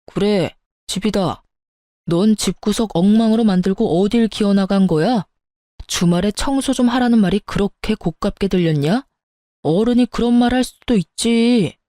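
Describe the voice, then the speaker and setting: A woman's voice: mid-range voice, normal speed, dark tone, dry recording, studio quality, lightly acted. A woman voicing an irritated husband who snaps and blames his wife in a spoken story. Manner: blaming, curt and dismissive.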